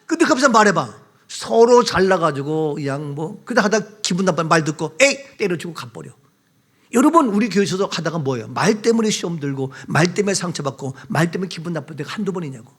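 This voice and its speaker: Pastor guy preaching, bright high voice, keeps repeating stuff and asking the crowd back. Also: sing-song, a little fast, husky. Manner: emphatic, repeats key phrases, asks the congregation questions; acts out everyday quarrels in short quoted remarks. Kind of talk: sermon.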